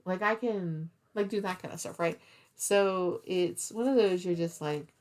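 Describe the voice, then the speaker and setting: A woman's voice: on the low side, a little slow, darkish tone. A woman hosting a craft vlog, chatting casually in a rambling way and thinking aloud as she goes. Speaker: cross-stitch vlog host. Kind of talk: casual rambling chat to camera.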